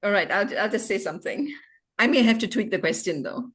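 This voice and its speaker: A middle-aged woman from Malaysia, a doctor giving a measured, lightly amused impromptu speech over a video call. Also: medium pitch, animated, a bit bright. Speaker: doctor and therapist. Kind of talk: impromptu speech at an online club meeting.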